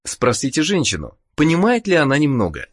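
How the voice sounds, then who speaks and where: A narrator guides learners through a language course with calm, instructive prompts and explanations. The intonation is lively and the voice has a breathy edge. The delivery is steady and clear in purpose. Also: mid-range voice, fairly quick.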